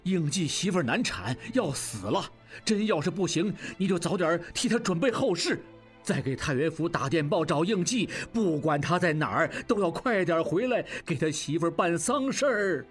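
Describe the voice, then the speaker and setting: A man's voice: a little high, expressive, normal speed, faint music behind, natural voice. An actor playing a flustered middle-aged male head of a household who stammers and exclaims in exasperation. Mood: panicky, fretful. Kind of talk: audiobook drama acting.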